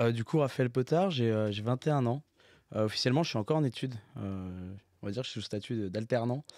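A fairly quick pace against a quiet background, with a dry sound and no echo. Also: man, ordinary pitch variation. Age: 20s. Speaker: wealth manager; podcast guest. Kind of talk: casual chat. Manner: halting. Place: studio. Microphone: studio mic.

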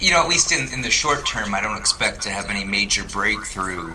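A man with an American accent talks at a moderate pace. The room echo is audible, and background noise is noticeable. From New York. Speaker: author and publisher on synchronicity. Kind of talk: radio interview.

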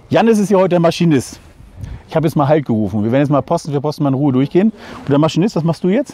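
In a dry sound with no echo, a man talks at a very fast pace with lively intonation. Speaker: volunteer firefighter vlogger. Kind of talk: casual vlog commentary. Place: open country.

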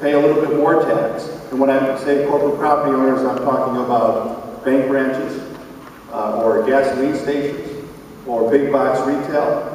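A man talks at a moderate pace in a monotone, flat intonation. Strong room echo surrounds him, along with light background noise. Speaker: candidate. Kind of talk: campaign speech. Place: church.

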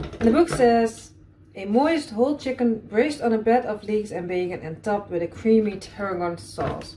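Over light background noise, a woman talks at a moderate pace with big swings in loudness. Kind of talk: casual cooking vlog chat. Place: kitchen. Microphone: camera far.

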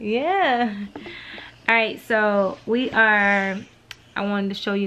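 A woman speaks with a Southern US accent amid noticeable background noise. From south Mississippi. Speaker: mom vlogger. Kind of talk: casual talk to camera. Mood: upbeat, joyful.

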